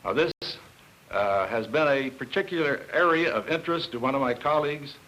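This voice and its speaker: A man's voice: medium pitch, fairly quick, a bit bright. A man giving an explanatory, emphatic science lecture as a virologist presenting an educational film. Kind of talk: science lecture demonstration with models. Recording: noisy 1960 educational film soundtrack.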